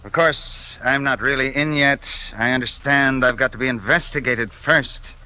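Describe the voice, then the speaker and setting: An actor playing a brash, ambitious American investigator in a 1950s radio drama, folksy and halting. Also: male voice, mid-range voice, pushed and bright, low-quality recording. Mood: eager. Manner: folksy, hesitant with many ums.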